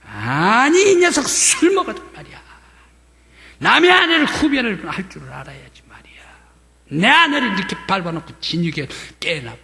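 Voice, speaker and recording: A man's voice: sits high, huge pitch swings, normal speed, creaky, bright, forceful tone, big-room sound, voice pushed up, heavily acted. A man voicing an angry older male township chief who scolds and commands. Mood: indignant.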